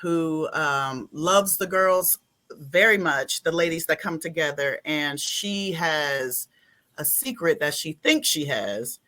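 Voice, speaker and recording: A woman guest introducing herself in an interview, measured and polite. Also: low-pitched, pushed and bright. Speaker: stage actress, guest.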